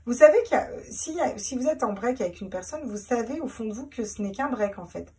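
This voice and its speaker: A woman's voice: on the high side, expressive, brisk, mellow, breathy edge, recorded from a distance. A woman doing a casual tarot reading, chatty, repeating herself and laughing at her own jokes. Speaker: tarot reader.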